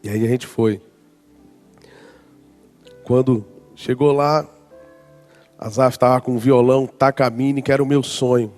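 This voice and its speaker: A man in his forties giving a lively storytelling testimony at a conference, acting out the voices of people in his story. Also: mid-range voice, unhurried, long pauses, long reverb tail, soft background music. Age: 40s. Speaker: worship leader giving a testimony.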